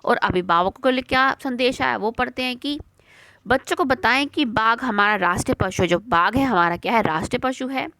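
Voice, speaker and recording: A woman's voice: a little high, fairly quick, sharp tone, no room sound. A woman teaching young children, patiently going through a worksheet, asking questions and answering them herself. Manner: patient, repeats words and asks questions then answers them.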